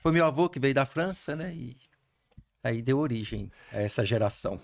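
Calm reflective man, screenwriter guest. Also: medium pitch, normal speed, gravelly, no echo, studio quality. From Brazil, Belo Horizonte. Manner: calm, reflective, trailing off quietly. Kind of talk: interview conversation.

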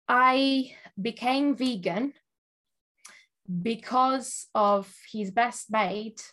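A woman's voice: medium pitch, fairly bright tone. A woman from Germany who is not a native English speaker, a relationships coach telling her story as an interview guest, thoughtful and often laughing.

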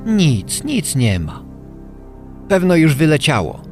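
A man's voice: medium pitch, huge pitch swings, drawn-out words, music in the background, voice pushed up, full character voice. A man voicing an impatient, mocking young boy in a storybook tale, with a brusque manner. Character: scornful, impatient young boy turned cold-hearted. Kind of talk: storybook character reading.

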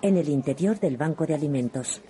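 A woman giving calm, neutral audio description of a film scene. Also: sits low, a little fast, crowd noise. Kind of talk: scripted audio description narration.

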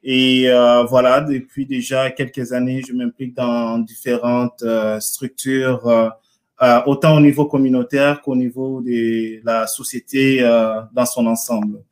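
A man from Montreal with Congolese roots talks as an interview guest. His voice sits at an average pitch. He speaks casually, in a hesitant, halting way as he builds his answers. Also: little pitch movement. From Montreal, Canada, of Congolese descent. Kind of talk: casual live interview talk.

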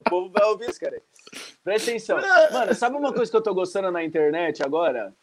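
A man, co-hosting a casual podcast and telling stories in rapid slangy chat. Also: high-pitched, expressive, slight background noise. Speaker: podcast co-host.

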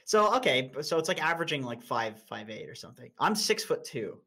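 A man's voice: on the high side, sing-song, fairly quick, bright, forceful tone. A young man streaming and chatting casually, blunt and laughing often, with frequent restarts.

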